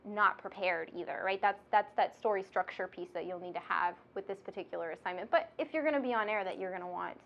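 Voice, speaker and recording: A woman's voice: mid-range voice, fast, creaky, hardly any pauses, dull audio, a little hiss or hum. A woman with a nasal voice, hosting and teaching in a bubbly, chatty way. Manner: bubbly, chatty, laughs often. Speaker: instructor and podcast host. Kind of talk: casual instructional chat.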